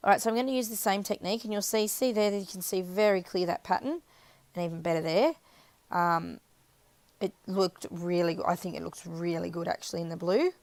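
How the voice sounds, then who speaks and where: Croaky woman rambling through a craft voiceover. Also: lowish voice, moderate pace, a little mellow, no echo. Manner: chatty, rambling, self-correcting. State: croaky, scratchy voice. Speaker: craft video maker. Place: voiceover recorded apart from the footage.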